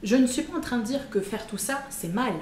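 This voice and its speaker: A woman's voice: a little high, fairly quick, darkish tone. Chatty woman in an echoey room. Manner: chatty, many fillers, self-mocking asides. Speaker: personal development YouTuber. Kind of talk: casual spoken explainer to camera. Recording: echoey room with faint ambient noise.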